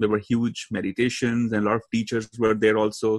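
At a moderate pace, the speech has a dry, close sound with no echo and a quiet background. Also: man. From India, Himalayan town. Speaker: meditation and tantra teacher. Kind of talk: interview conversation.

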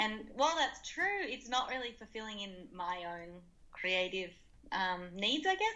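The woman talks in a medium pitch with an Australian accent. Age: 30s. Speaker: magazine co-founder and musician. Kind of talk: casual interview chat. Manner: hesitant, many fillers.

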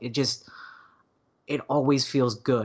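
Using an ordinary speaking voice, a man speaks at a medium pitch and a moderate pace. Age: 30s. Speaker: podcast guest receiving a tarot reading. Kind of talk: casual chat.

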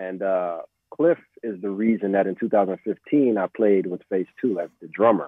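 A plain, everyday voice from a man with an American accent, fairly low in pitch, with ordinary pitch variation and a moderate pace. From Washington D.C., US. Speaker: drummer, steel band musician. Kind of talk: casual chat.

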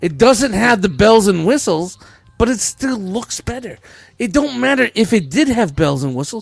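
A man's high voice with very wide pitch swings at a moderate pace. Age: 60s. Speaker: toy collecting podcast co-host. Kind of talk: casual chat. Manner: animated.

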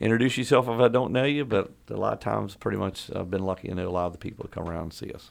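Very fast and with hardly any pauses, a man talks in a fairly low voice with vocal fry. His pitch varies in an ordinary way. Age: 50s. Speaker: high school basketball coach. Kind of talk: casual interview. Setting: studio.

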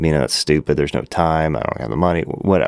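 A man with an American accent talks in a very deep, low pitch marked by vocal fry. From US South. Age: 40s. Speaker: podcast host. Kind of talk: monologue storytelling. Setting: studio.

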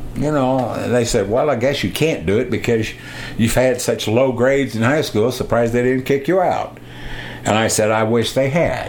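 A man talks at a medium pitch with very even loudness. Audible room echo and noticeable background noise fill the recording. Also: ordinary pitch variation, moderate pace. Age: 70s. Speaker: Hammond organ player. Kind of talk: casual interview chat. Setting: at his home.

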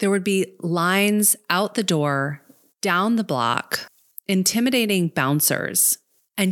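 With an American accent, a woman at medium pitch speaks at a fairly slow pace with very wide pitch swings, in a very clean recording against a silent background. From US South, New Orleans. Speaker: podcast host and life coach. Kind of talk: personal storytelling.

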